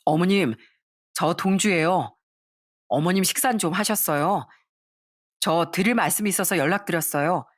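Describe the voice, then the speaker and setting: Woman doing a polite guy friend, steady and urgent, dry mic. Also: fairly low pitch, normal speed, pauses often, no room sound, lightly acted. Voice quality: courteous, steady. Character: polite adult male family friend, urgent.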